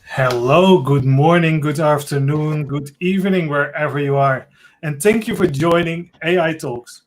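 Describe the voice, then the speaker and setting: A man hosting a live online talk, his voice sitting a touch higher than most men's. He greets viewers and hands over to guests with short, friendly questions, heard through a webcam mic on a video call from a room at home. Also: unhurried. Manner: friendly, brief prompting questions. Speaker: host. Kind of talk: casual livestream talk.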